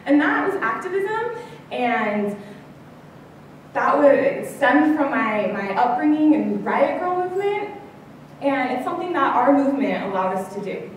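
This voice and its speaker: A woman's voice: high voice, big pitch swings, measured pace, slight background noise. A young woman giving an earnest, conversational conference speech to a large hall. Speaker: conference keynote speaker. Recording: echoey hall from far off.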